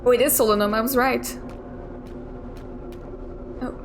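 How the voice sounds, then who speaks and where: A young woman's slightly high voice, fairly even in intonation and a little slow, carries casual let's play commentary as she plays. She thinks aloud and swears occasionally over clear game music and some background noise.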